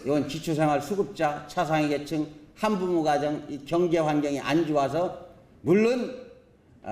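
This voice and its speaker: A council member speaks at a podium in an echoey assembly chamber. His voice sits a little high but sounds dark and mellow, and his pitch swings widely as he presses each point. He argues emphatically, leaning on rhetorical questions and folksy sayings. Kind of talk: questioning session speech. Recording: roomy chamber echo.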